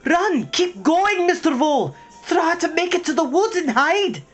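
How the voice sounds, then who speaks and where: A young male mouse hero from a storybook, put on by a narrator, pitched well up and lively. He is brave and quick-tempered, with a sharp sarcastic streak, over faint music. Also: exaggerated voice. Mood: urgent.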